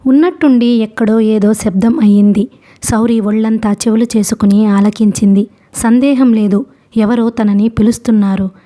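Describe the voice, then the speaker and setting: A woman's voice: fairly high pitch, fairly even intonation, normal speed, dark tone. A young adult woman, host of the channel, narrating a novel as an audiobook storyteller and voicing the characters in her own voice.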